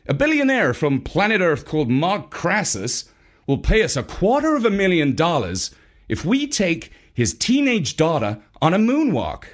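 A matter-of-fact human astronaut voiced by a male storybook reader, pitched a little above his narration. The delivery is questioning and very animated, with a slightly husky edge. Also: normal speed, heavily acted. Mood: pleased. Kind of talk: children's audio storybook character.

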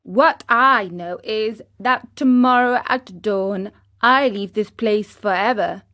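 A woman reading a storybook aloud, voicing a naughty, hot-tempered boy marionette who talks loudly and defiantly. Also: medium pitch, slow. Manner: loud, defiant and impatient.

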